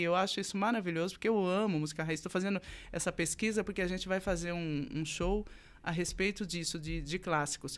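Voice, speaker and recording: This woman's speech moves at a moderate speed, her pitch shifting in a typical way. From Brazil, São Paulo city. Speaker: country music singer; podcast guest. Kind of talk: casual interview conversation. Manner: animated. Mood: lively, humorous storytelling. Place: studio. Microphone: studio mic.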